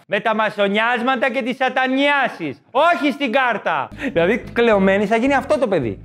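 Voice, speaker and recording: A man with a high voice performs a stand-up comedy monologue. He riffs from one joke to the next, mimics people shouting names, and throws in quick asides. Faint guitar music plays underneath.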